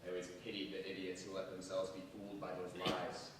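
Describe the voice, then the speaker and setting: An actor playing a sardonic, defiant imprisoned militant in a theatrical staged reading, declamatory and deliberate. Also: male voice, completely flat delivery, natural voice. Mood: grave, defiant. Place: large echoing hall, staged reading. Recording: very echoey hall, distant mic, faint rumble.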